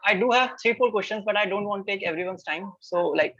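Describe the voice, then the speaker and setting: Male participant, high voice, hesitant, muffled call audio. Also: fast, fairly bright tone. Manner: hesitant, uses "like" often. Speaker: session participant. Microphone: video call.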